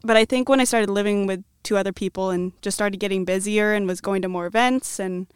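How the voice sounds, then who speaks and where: A woman's voice: mid-range voice, fairly even intonation, a little fast, clear, resonant tone, no echo, studio quality. A woman in her twenties from the American Midwest, chatting casually as a podcast guest in an upbeat, talkative way. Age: 20s. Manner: chatty, upbeat, many likes. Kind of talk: casual chat.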